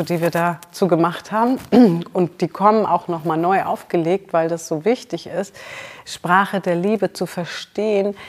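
A woman's voice: medium pitch, a little mellow. A German woman hosting a podcast, coaching the listener in an encouraging, direct way. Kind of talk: motivational podcast talk.

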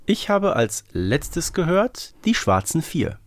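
A man's voice: a little high, sing-song, slow pace, dry recording. A man from Germany co-hosting a podcast in a casual, conversational way. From Herten, Germany. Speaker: podcast co-host. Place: close, dry podcast recording.

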